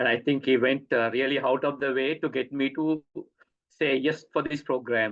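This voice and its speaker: At a moderate pace, a man with a Sri Lankan accent speaks in a medium pitch with monotone, flat intonation. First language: Sinhala. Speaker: Rotary trainer and speaker. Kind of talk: talk at a club event.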